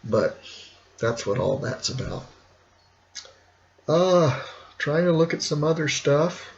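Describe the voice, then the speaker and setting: A middle-aged man with a gravelly, hoarse, cracking voice, talking casually and reflectively in a rambling personal vlog. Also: on the high side, expressive, highs cut off, a little hiss or hum. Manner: rambling, reflective, slow with pauses. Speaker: vlogger.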